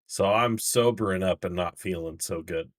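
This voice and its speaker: Casting: male tabletop gamer, low voice, casual and conversational, recorded dry. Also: normal speed, no room sound. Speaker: player in a tabletop game.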